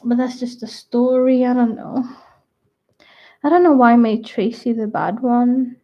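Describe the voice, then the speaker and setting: A young adult woman rambling casually to her viewers, full of "like" and restarts, her voice croaky at times. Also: fairly high pitch, unhurried, warm tone. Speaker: vlogger. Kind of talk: rambling casual chat to camera. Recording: dull lo-fi sound.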